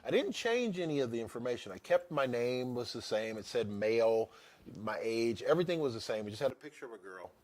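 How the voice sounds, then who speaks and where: A man hosting a casual talk show, spinning a story with a lively, swooping voice. He jumps into high put-on voices when he quotes people, then drops back to an easygoing chat tone. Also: a little fast. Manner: animated storyteller, mimics voices in high pitch. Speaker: podcast host.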